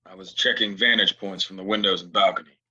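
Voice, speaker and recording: A man playing a weary, guarded gunslinger stranger in a western audio play, halting in his delivery, with a husky low voice. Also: steady tone, pushed and bright, heavily acted. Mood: terse. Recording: dull lo-fi home recording.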